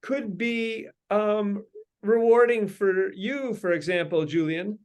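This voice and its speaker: A man's voice: high-pitched, slow pace, clean tone. A man hosting a meeting, brainstorming in long winding sentences full of ums and uhs. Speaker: host leading a meeting.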